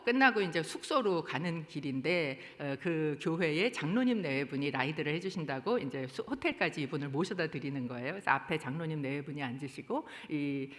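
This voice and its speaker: A woman's voice: low voice, fairly quick, few pauses. A woman pastor preaching a sermon, telling stories with animation and pressing her points with emphasis. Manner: animated storytelling, rising to emphatic exhortation. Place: church sanctuary. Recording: long church hall reverb.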